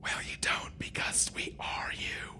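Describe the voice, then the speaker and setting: A man voicing ghostly future selves in an unearthly, breathy, theatrical voice for a comedy sci-fi audio drama. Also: very high-pitched, lively intonation, slow, bright, forceful tone, a little hiss or hum, exaggerated voice. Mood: eerie, solemn.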